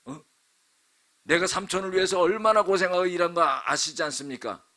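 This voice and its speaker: A male pastor acting out the biblical patriarch Jacob, protesting his innocence with loud rhetorical demands. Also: high-pitched, brisk, voice pushed up. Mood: indignant. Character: indignant biblical patriarch Jacob, middle-aged man.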